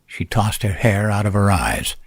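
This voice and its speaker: Man narrating fiction with lively, swooping pitch. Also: normal speed, creaky, breathy edge. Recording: roomy echo, faint music bed.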